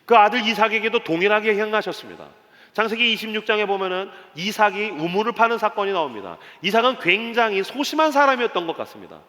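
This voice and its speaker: A male pastor preaching in a church sanctuary, his high, bright voice leaping up and down as he dramatizes the story. A long reverb trails every phrase. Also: quick pace. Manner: animated, dramatizing with acted voices and sound effects. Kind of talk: early-morning sermon.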